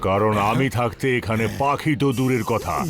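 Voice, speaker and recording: A man's voice: mid-range voice, moderate pace, fairly bright tone, soft background music, lightly acted. A man voicing a boastful, pompous security officer in a children's cartoon dub.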